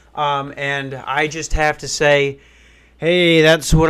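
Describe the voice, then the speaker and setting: An ordinary speaking voice with an American accent, talking at a fairly slow pace in a very clean recording with a silent background. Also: man. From Minnesota. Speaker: podcast host. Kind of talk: solo comedic monologue.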